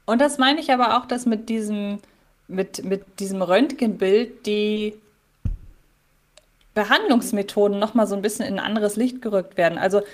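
A woman's voice: mid-range voice, moderate pace. A woman co-hosting a podcast in casual chat, analytical and wordy, often correcting herself. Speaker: podcast co-host. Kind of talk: casual chat about a radio play.

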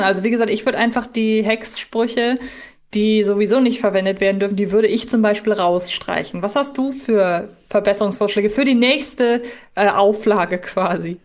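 A woman hosting a podcast, talking casually and reflectively as she thinks aloud through the discussion. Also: mid-range voice. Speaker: podcast host.

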